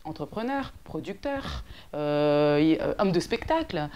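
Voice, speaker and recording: A woman hosting a playful interview, her pitch leaping around as she laughs and gushes over the guest's answers. She keeps the questions moving with bright enthusiasm. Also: sing-song, a little slow. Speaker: interview host.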